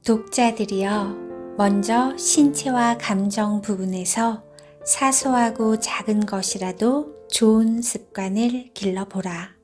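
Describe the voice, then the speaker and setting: A woman reading a book aloud as narrator in a soft, hushed, gentle voice that turns whispery at moments. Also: medium pitch, takes it slowly, faint music behind.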